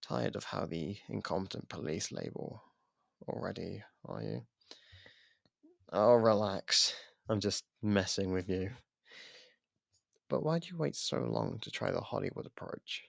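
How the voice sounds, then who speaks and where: A man playing a sardonic, taunting imprisoned murderer in an ASMR roleplay, with a gravelly, husky voice and theatrical pauses, close on the mic. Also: fairly low pitch, big pitch swings, dry recording, exaggerated voice. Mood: mocking, amused. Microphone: close microphone, dry.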